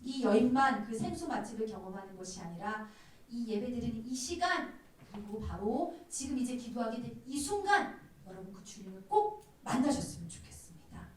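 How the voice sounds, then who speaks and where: A woman youth pastor giving a sermon to teenagers, telling stories in an animated way. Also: fairly high pitch, normal speed. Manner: animated storytelling, acts out quoted dialogue. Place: church. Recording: very echoey room, distant mic.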